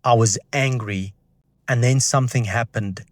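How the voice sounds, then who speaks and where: A young adult man sharing a personal Christian testimony, speaking earnestly and reflectively in halting phrases. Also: medium pitch.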